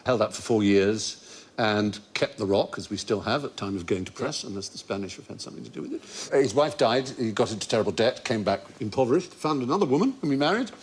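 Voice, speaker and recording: A man's voice: on the low side, lively intonation, fast, hardly any pauses, slight background noise. A man hosting a comedy quiz show, telling anecdotes playfully and often laughing. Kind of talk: lively panel show banter. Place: TV studio with live audience.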